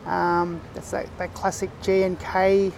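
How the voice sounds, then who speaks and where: A man from Victoria with an Aboriginal Australian accent, explaining things reflectively in casual interview talk, often pausing mid-thought. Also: high voice, little pitch movement, gravelly, darkish tone, a little hiss or hum. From Far East Gippsland, Victoria, Australia. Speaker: interview guest.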